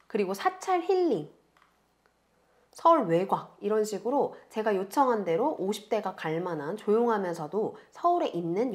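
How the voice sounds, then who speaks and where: A woman instructor patiently walking beginners through a tutorial step by step in a friendly way. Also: mid-range voice. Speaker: online instructor. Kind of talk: screen-recorded tutorial narration.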